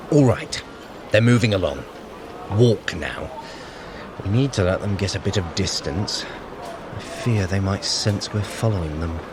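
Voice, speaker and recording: A sly trickster god guides a runner through an audio drama. The pitch moves freely as he gives furtive, commanding instructions, over clear outdoor bustle. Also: lively intonation, a little slow, pauses often, noisy background. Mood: watchful, instructing. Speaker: workout guide.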